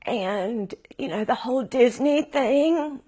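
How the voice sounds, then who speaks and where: A woman's voice: on the high side, expressive, slow pace, mellow, slightly rough. A woman speaking hesitantly and wryly in a documentary interview.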